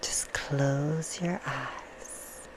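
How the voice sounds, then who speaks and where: Slow, low-voiced vampire storyteller played by a woman. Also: steady tone, low-quality recording. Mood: soothing, sinister. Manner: slow, hushed storytelling, drifting into whispers. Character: female vampire, soothing and menacing, reading bedtime stories. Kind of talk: ASMR roleplay. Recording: clear background noise.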